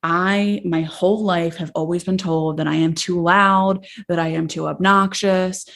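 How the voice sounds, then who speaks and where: A woman therapist hosting a podcast, talking casually and passionately, with a voice that carries loudly. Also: lowish voice, steady tone, a little slow.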